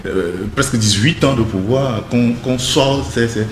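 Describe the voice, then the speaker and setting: A man's voice: medium pitch, a little slow. A man hosting a panel debate, moderating with a hesitant manner that trails off. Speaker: host. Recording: roomy sound with faint background noise.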